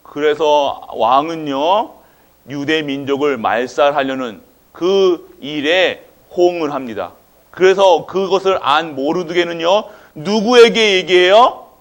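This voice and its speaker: A man's voice: a little high, a little slow. Man preaching with call-and-response questions. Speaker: pastor. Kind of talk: sermon. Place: church.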